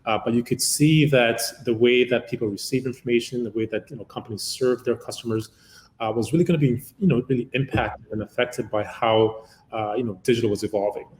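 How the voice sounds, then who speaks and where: A man's voice: mid-range voice, brisk, darkish tone, reverberant, slight background noise, poor audio. A man in his fifties from Uganda, a company founder giving a long, rambling interview answer full of "uh" fillers. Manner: long-winded, many "uh" fillers.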